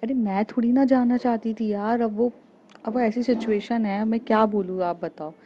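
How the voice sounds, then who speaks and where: Affectionate, pleading woman teacher, read by a woman narrator; mellow, dull recording. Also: on the high side, fairly even intonation, normal speed, a little hiss or hum, pitched above the performer's own voice, lightly acted. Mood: coaxing. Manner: pleading, coaxing.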